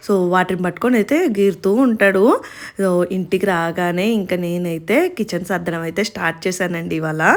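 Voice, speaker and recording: A young adult Indian woman, narrating a casual home vlog in a chatty, explanatory way and addressing viewers directly. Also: mid-range voice. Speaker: home vlogger.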